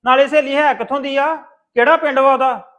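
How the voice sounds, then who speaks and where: An actor playing a stern elder brother who scolds his sister loudly. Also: extremely high pitch, quick pace, echoey room. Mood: angry scolding. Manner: scolding, interrogating, loud. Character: stern angry elder brother, young adult man.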